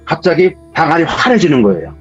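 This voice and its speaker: Husky man telling a ghost story. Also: a little high, big pitch swings, fast talker. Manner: vivid, dramatic retelling of events. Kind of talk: casual spoken storytelling. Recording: dull lo-fi sound with faint music.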